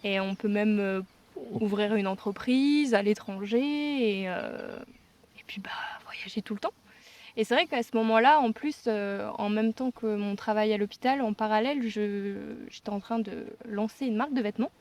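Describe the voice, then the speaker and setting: Female vlogger, medium-pitched, relaying life stories in casual conversation. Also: moderate pace, a little mellow. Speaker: vlogger telling a life story with partner. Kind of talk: casual storytelling chat.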